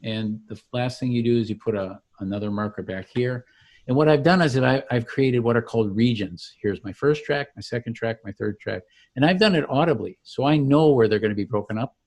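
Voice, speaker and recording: A man founder demonstrating his software tool step by step in an easygoing, explanatory way. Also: mid-range voice. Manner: relaxed, explanatory, slows to show steps. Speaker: software founder giving a demo. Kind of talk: walkthrough of an online tool.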